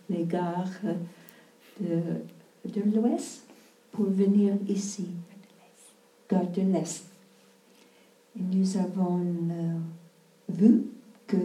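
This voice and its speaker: A woman teaching at a mindfulness retreat as a Buddhist nun, speaking French as a second language. She talks slowly and hesitantly, pausing often and searching for words. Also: lowish voice, mellow. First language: not French. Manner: slow, hesitant, many pauses and searches for words. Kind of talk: dharma talk at a retreat. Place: retreat hall. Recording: roomy, distant mic.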